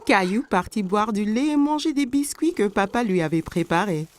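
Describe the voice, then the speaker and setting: A woman narrating a children's story in an expressive, scripted storytelling style. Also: medium pitch, moderate pace. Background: music.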